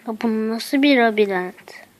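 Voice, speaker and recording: A gaming channel host, a woman with a slightly high, slightly slow voice, does let's play commentary while exploring a game map. She exclaims, mutters to herself, and uses slang.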